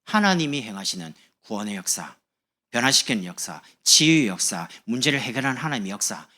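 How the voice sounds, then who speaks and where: A man's voice: lowish voice, big pitch swings, fairly quick, bright, forceful tone. A man preaching as a pastor, speaking in a chatty, humorous sermon to his congregation in a church. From Busan, South Korea. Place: church sanctuary.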